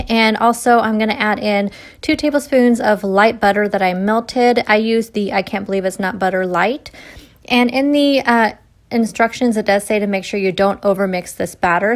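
Young adult woman, cooking vlogger, plain steady instructional delivery, home kitchen. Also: a little high. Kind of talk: voice-over cooking tutorial.

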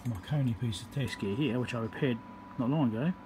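A man with a medium-pitched voice demonstrates a repair in a casual, hands-on way. He is matter-of-fact, explaining each step as he works at an indoor bench. The handheld camera's microphone picks up loud background noise along with him. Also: a little fast. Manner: matter-of-fact, talking through each step while working. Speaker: electronics repairer and video host. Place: indoor electronics workbench. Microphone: handheld camera or phone microphone.

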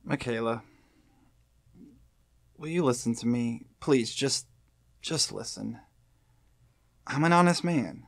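Slow, haunted veteran federal agent played by a man. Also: mid-range voice, expressive, gravelly, no room sound, clean studio sound. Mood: earnest, pleading. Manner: halting, grave, pleading. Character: weary, haunted senior male FBI agent. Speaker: voice actor in audio drama. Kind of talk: audio drama acting.

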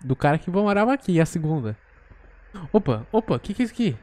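A gamer host with a fairly high, mellow voice plays a horror game with a friend, very animated and quick, urgently repeating orders and guiding his partner through frantic co-op chat.

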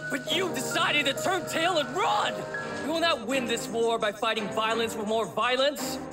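Female actor as bold animation heroine or villain, theatrical, highish lively pitch, loud music underneath. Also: moderate pace, lightly acted. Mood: impassioned. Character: range of dramatic animation heroines, villains and adventurers. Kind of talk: animation voice acting demo.

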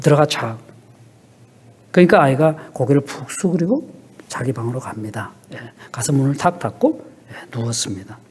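A middle-aged man preaching a sermon in a church, telling stories and often dropping a soft "yes" between phrases. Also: mid-range voice, lively intonation, brisk, slightly rough. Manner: peppers speech with a soft affirming "yes". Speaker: pastor. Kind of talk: sermon with storytelling.

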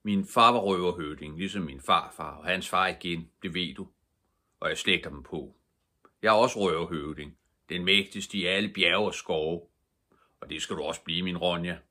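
A man voicing a proud, loud robber chief father in a storybook reading. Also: low voice. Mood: earnest proud.

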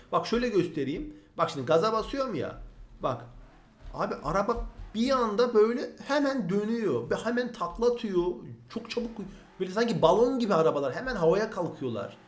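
A young Turkish man giving casual, excitable gameplay commentary as a gaming channel host. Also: sits high, reverberant. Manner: excitable, chatty, says "abi" a lot.

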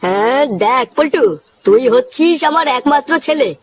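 A woman voicing a stern older father in a cartoon, lecturing in a slow, deliberate way. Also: high voice, lively intonation, vocal fry. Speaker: cartoon character.

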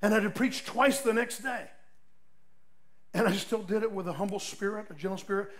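An older pastor preaches with a notably high voice, telling homely stories between points. He rises to loud, emphatic peaks, then drops into quiet, confiding asides. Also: moderate pace. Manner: folksy, storytelling, emphatic with sudden loud peaks and soft drops. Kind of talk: sermon.

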